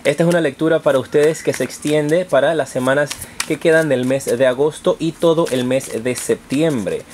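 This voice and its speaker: Higher-voiced man giving a tarot reading. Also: moderate pace, a little mellow, slight background noise. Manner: affectionate, encouraging direct address. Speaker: tarot reader and channel host. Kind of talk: informal horoscope card reading addressed to viewers.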